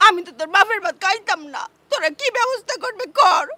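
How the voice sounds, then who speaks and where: A woman as a lamenting village mother, high and wildly swinging wail, folk-drama style. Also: lively intonation, fast, noisy background. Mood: tearful lament. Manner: wailing, lamenting. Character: wronged weeping village mother.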